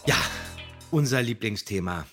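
A man's voice: fairly low pitch, expressive, unhurried, fairly bright tone, faint music behind. A man co-hosting a podcast, giving casual commentary and background on a radio play. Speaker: podcast co-host.

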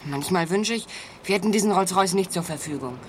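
Exasperated teenage boy sleuth, played by a young man, high-pitched, radio play style, faint background noise. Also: a little fast, close to an everyday voice. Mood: wry complaint. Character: teenage boy detective, exasperated, in an audio drama.

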